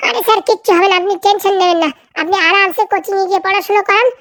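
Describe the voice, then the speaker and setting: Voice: very high-pitched, fairly even intonation, racing, a bit bright, no room sound, clean studio sound. A performer voicing a cheeky, eager young sidekick in a comedy cartoon, chattering in a colloquial way. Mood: reassuring. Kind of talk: comic cartoon dialogue.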